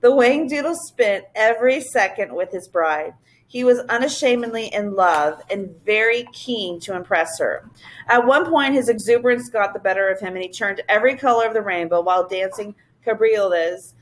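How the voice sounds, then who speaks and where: Woman teacher, read-aloud storytelling, expressive, steady, mid pitch. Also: moderate pace, poor audio. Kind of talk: reading a children's novel aloud.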